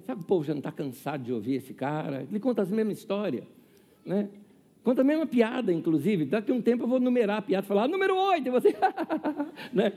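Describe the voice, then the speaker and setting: A man's voice: high voice, vocal fry, mellow, husky, big-room sound. A man in his fifties preaching a sermon, chatty and humorous, often asking the audience questions and telling a personal story. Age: 50s. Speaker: pastor.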